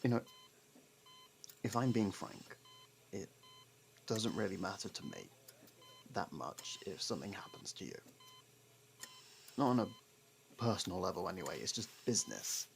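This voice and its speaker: A man playing a gruff, guarded convict who hides a fondness for a detective partner, speaking hesitantly and defensively in an intimate audio roleplay. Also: deep voice, lively intonation, normal speed, long pauses, slight background noise. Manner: defensive, hesitant, sardonic, with stammered denials.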